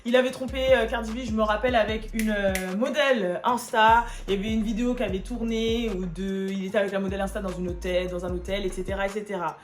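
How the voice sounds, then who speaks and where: A young woman hosting a casual gossip vlog, talking in a chatty, animated way with many fillers. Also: medium pitch, quick pace, few pauses, faint music behind. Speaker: vlogger. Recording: echoey room.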